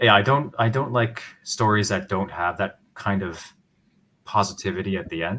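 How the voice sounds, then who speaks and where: Fairly low male voice with a Canadian accent and a bright, sharp tone, ordinary pitch variation, moderate pace, in a very clean recording with a silent background. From Ontario, Canada. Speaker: paramedic and writer. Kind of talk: interview.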